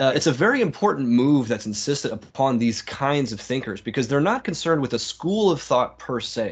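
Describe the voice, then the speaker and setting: In an ordinary speaking voice, a man talks at a fairly quick pace with hardly any pauses. His pitch is fairly high, and his intonation is lively. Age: 20s. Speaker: writer and philosophy lecturer. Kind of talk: casual interview conversation.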